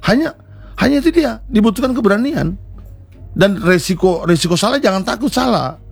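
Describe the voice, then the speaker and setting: A film director, answering interview questions in an earnest, encouraging way, often pausing on fillers and restarting words. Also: male voice, high voice, lively intonation, gravelly, husky, faint music behind.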